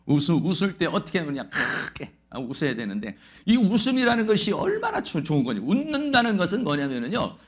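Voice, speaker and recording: Male pastor, sermon, fervent proclaimer, animated up-and-down delivery. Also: a little high, a little fast, hardly any pauses. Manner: fervent, proclaiming declarations, asks and answers his own questions. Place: church Sunday service.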